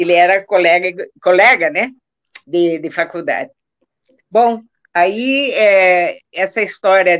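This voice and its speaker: A woman talks in an ordinary speaking voice at medium pitch. Her pace is fairly slow, with ordinary pitch variation. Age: 60s. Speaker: psychotherapist. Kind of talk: interview.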